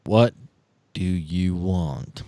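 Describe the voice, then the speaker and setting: A man's voice: deep voice, animated, drawn-out words, warm tone, no echo, voice pushed down, exaggerated voice. A man voicing a prissy, pompous twin brother with an affected manner, a spellcaster in a tabletop game. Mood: curt, resentful. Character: prissy, hoity-toity twin brother who casts spells.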